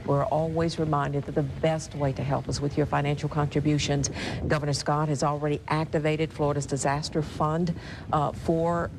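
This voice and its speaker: A woman anchoring rolling storm coverage on the news, speaking in measured, halting phrases. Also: low-pitched. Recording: clear background noise.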